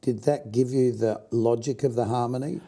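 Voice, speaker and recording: A man's voice: mid-range voice, fairly even intonation, moderate pace, a loud crowd. An older man with an Australian accent hosting a casual interview, chatty and jokey, often cutting in. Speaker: host.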